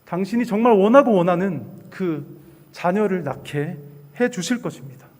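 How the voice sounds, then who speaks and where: A stern old priest from a Bible story , voiced by a man telling it to children. He speaks in a high, raised tone. The sound carries the long echo of a church hall. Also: expressive, normal speed, darkish tone. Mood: gentle blessing. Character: stern old male priest, scolding then blessing.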